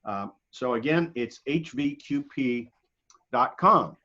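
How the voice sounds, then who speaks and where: An American man giving an informal slide presentation, speaking haltingly with frequent pauses mid-sentence. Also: mid-range voice, lively intonation, bright, forceful tone. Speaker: guest presenter. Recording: dull, lo-fi video call audio.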